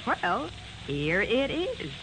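An actress playing an alert, loyal detective's assistant in a 1940s radio drama, perky, casual and inquisitive. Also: female voice, a little high, wildly swooping pitch, very slow, fairly bright tone, full character voice, poor audio. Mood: curious, helpful. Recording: hissy old radio recording.

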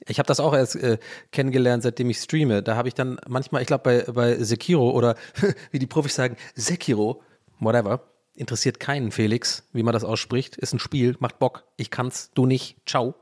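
A man with a German accent hosts a rambling solo podcast from a home microphone, speaking a little fast at medium pitch with fairly even intonation and a darkish tone. He jokes at his own expense, loses his thread, and starts over.

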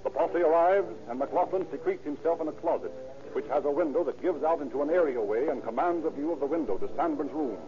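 A man's voice: fairly high pitch, fast talker, over music. A man narrating an old radio crime drama in a scripted, dramatic style. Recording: dull, muffled old radio recording.

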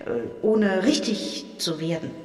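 A woman's voice: mid-range voice, a little slow, soft background music. A woman in a poetic spoken-word radio piece, musing and hesitant as she searches for words, her voice ringing with a cavernous cave-like echo. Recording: echoey, roomy sound from a distance with faint ambience.

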